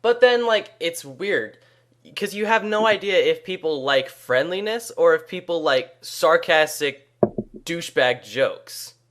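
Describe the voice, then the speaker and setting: Teen guy cohost, kinda high voice, animated and laughy. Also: measured pace. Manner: animated storytelling, laughs along. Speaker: podcast co-host. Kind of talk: casual chat.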